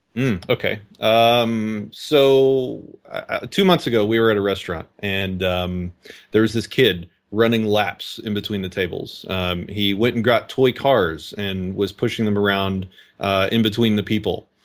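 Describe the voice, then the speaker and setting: In a normal speaking voice, a man talks fairly slowly at a fairly low pitch with fairly even intonation. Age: 30s. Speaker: caller, father. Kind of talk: call-in advice conversation.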